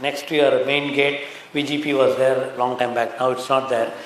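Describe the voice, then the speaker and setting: Amid noticeable background noise and audible room echo, a man with a fairly high voice speaks at a moderate pace in a monotone, flat intonation. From South India, Tamil Nadu. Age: 60s. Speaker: eye surgeon. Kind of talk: conference talk. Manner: halting.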